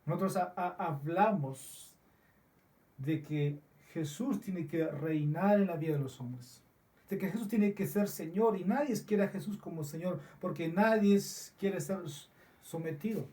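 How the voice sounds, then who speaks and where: A man preaching a sermon as pastor, slow and deliberate with frequent restarts, recorded in a church. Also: high-pitched, dark tone, distant mic. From Peru.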